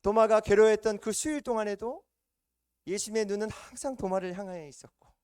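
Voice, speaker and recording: A man preaching a sermon at a church service, emphatic and repetitive, swinging between loud stresses and hushed asides. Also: high-pitched, dry recording, studio quality.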